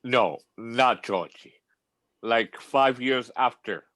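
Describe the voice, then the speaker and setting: A slow, dry-sounding male voice as a man acts out a pompous vampire. He speaks formally and haltingly, like a wounded old flame in a comedy script. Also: mid-range voice, a bit bright, dry recording. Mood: flustered. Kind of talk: virtual table read of a comedy script.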